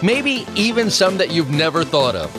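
Bright promo announcer, male, high and animated, over music. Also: moderate pace. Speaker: show announcer. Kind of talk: scripted intro announcement.

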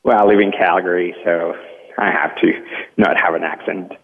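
A man from Colombia calls in over a tinny phone line. His voice is very deep and gravelly, with a husky edge. He talks hesitantly and laughs often. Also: fairly even intonation, normal speed. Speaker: caller. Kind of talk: casual call-in chat.

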